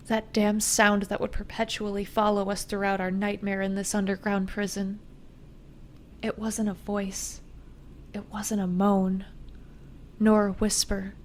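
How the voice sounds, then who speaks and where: A woman reading a first-person fantasy audiobook, her pitch sitting in an ordinary middle range. Her delivery is steady and even as she tells the tale. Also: slight background noise. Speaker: narrator.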